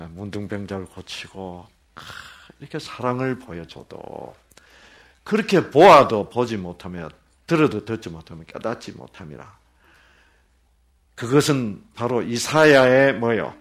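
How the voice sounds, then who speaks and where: Male pastor, Bible study sermon: lively, swooping delivery, quizzes the congregation, then drops to a hush. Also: fairly low pitch. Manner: animated, asks the congregation questions and answers them himself; drops to a whisper at times. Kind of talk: sermon-style Bible lesson.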